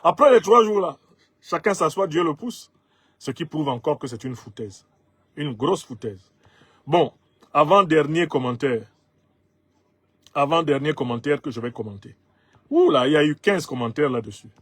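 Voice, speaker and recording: A man's voice: a little high, animated, normal speed, long pauses, breathy edge, no room sound. Give me a man from Cameroon in his fifties, emphatic and rhetorical, commenting on viewer comments with a dry sound. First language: Bassa. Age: 50s. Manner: emphatic, rhetorical, laughs at his own jokes. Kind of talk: commentary on social media comments.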